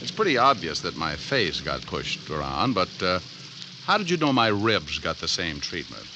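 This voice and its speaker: An actor playing a dry, sardonic private detective who also narrates, in a 1940s radio drama. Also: male voice, low-pitched, sing-song, moderate pace, noisy background. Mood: wry. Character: wisecracking tough male private eye. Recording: old radio broadcast with music underneath.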